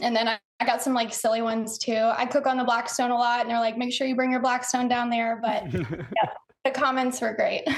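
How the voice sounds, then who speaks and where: A woman's high voice at a fairly quick pace, with hardly any pauses and very even loudness. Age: 30s. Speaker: social media content creator. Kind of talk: interview answer.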